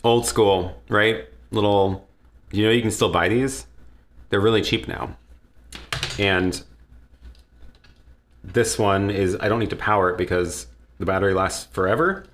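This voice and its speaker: Man, very low voice, casual livestream host, relaxed, restarts sentences, home studio. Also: a little slow, pauses often, a little hiss or hum. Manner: relaxed, thinks aloud with many restarts. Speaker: livestream host answering viewer questions. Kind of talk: casual live Q&A. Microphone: headset or desk mic with headphones.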